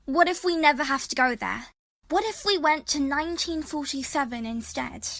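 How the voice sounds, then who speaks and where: An earnest young woman acted by a woman with a high, bright voice. She sounds determined and plain-spoken in audio drama dialogue, with a dry recording. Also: expressive, moderate pace, creaky, dry recording, exaggerated voice. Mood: wondering.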